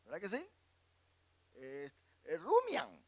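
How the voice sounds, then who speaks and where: A pastor conducts a Bible class, reading scripture aloud, explaining each verse, and questioning the congregation so they complete his sentences. His voice is on the high side, slightly mellow and a bit rough, with huge pitch swings and an unhurried delivery.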